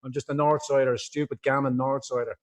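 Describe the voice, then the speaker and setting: A man's voice: medium pitch, little pitch movement, quick pace. A man with a Dublin accent, a guest on a livestream interview, talking in a rambling, impassioned way over a video call. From Ireland.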